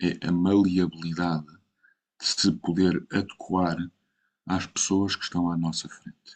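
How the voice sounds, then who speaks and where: In a dry, close sound with no echo, a man speaks at a moderate pace with a very deep, low pitch. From Portugal. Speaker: family mediator and university lecturer. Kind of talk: podcast interview. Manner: hesitant, with frequent fillers and restarts.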